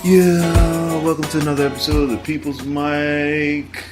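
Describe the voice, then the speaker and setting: A man hosting a casual podcast, talking loudly and jokingly with frequent restarts. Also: a little high, flat delivery, over loud music. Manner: loud, joking, halting with restarts. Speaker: podcast host. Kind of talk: casual chat.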